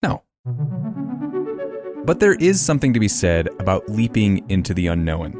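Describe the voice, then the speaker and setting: A man's voice: lowish voice, very animated, moderate pace. A man hosting a podcast, reading a scripted promo in a playful, conversational way. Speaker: podcast host. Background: music.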